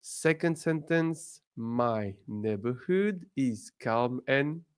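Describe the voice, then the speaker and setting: A man teaching a beginners' lesson, drawing out model words slowly and breaking into lively emphatic bursts. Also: medium pitch, clear, resonant tone. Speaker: French teacher.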